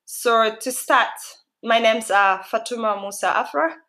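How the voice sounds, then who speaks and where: A woman's voice: on the high side, measured pace, bright, forceful tone. A woman with an East African accent giving a personal talk in a heartfelt, emphatic manner, often repeating phrases for emphasis. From Somalia-born, raised in Kenya. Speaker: guest speaker.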